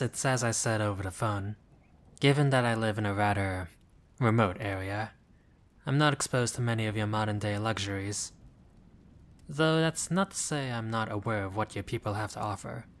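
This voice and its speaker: Man acting a courteous, lowish-voiced friendly vampire. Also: lightly acted. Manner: formal, polite, old-fashioned, hesitant phrasing. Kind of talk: intimate roleplay audio acting.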